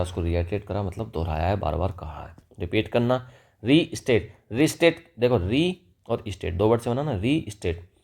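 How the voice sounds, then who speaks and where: A man with an Indian accent explains English vocabulary in Hindi as a teacher, asking and answering his own questions and reading example sentences slowly. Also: on the low side, creaky, darkish tone.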